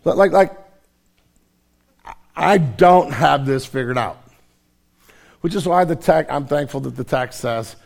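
A male pastor preaching a sermon, hoarse and raspy from a cold, earnest and self-deprecating in a conversational way. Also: fairly high pitch, measured pace, pauses often.

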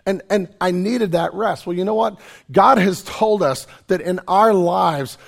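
A middle-aged man, preaching a sermon in a conversational, self-deprecating way with joking asides, his voice raspy and hoarse from a cold. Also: high voice, a little slow. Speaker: pastor.

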